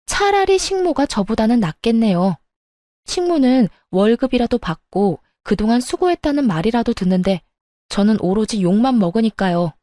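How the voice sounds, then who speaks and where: A woman's voice: a little high, sing-song, normal speed, no room sound, studio quality. A woman playing a fed-up young wife who talks back sharply to her in-laws, in a story radio drama. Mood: defiant. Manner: sharp, retorting.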